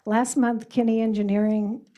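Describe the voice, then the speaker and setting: A woman's voice: a little high, flat delivery, moderate pace, mellow. A woman giving emphatic, prepared public testimony at a school board meeting. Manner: earnest, emphatic, reading prepared remarks.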